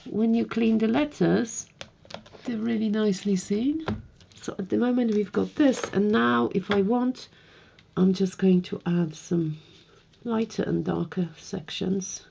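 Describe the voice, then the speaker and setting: A woman with a slightly hoarse, croaky voice hosts a painting tutorial, chatting and thinking aloud as she works. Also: medium pitch, unhurried, dark tone, slight background noise. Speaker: art tutorial host. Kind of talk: casual painting tutorial narration.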